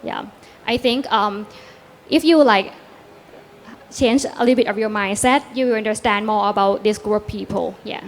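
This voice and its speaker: A woman's voice: mid-range voice, moderate pace, a little hiss or hum. Thai woman speaking English with many fillers. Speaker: panelist. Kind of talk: panel discussion.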